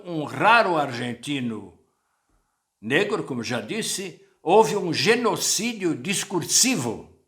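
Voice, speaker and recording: A man's voice: on the high side, a bit bright. An older man, a journalist, giving a reflective spoken commentary that quotes sources and asks rhetorical questions.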